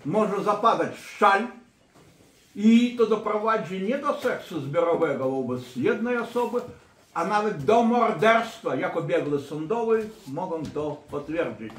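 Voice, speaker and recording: A man working as a therapist and court expert, giving a lecture-style talk in an emphatic, digressive way. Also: sits high. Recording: echoey room.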